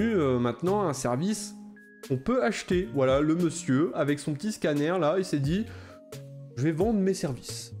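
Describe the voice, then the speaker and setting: A man's voice: a little high, mellow. Rambling man opening card packs. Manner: rambling, many fillers, repeats phrases. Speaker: Pokémon card opener. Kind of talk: casual pack-opening chat.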